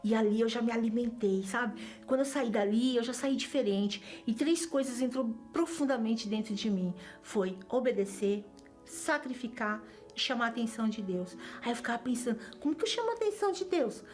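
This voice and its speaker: A woman's voice: a little high, moderate pace, darkish tone, faint music behind. A middle-aged Brazilian woman giving an earnest, emotional religious testimony, often repeating phrases for emphasis. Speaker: church member giving testimony.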